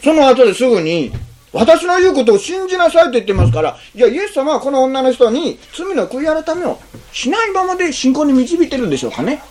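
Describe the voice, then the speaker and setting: Lively conversational preacher with a swooping voice. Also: high-pitched, fast talker. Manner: conversational, poses rhetorical questions to the congregation; acts out short spoken lines in changing tones. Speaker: pastor. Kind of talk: sermon.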